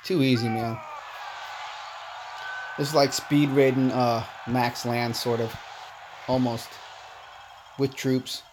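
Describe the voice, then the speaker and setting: Man, korean-born, first language korean, laid-back, chatty game streamer, mid-pitched voice. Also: level tone, slow pace, pauses often, background noise. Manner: laid-back, chatty, calls viewers "man", reads chat aloud. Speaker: livestream host. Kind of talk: casual gameplay livestream chat.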